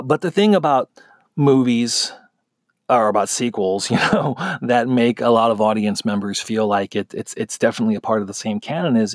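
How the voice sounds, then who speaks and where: A man's voice: mid-range voice, no echo, clean studio sound. A man giving a casual spoken film review, chatty and conversational, with frequent fillers and restarts.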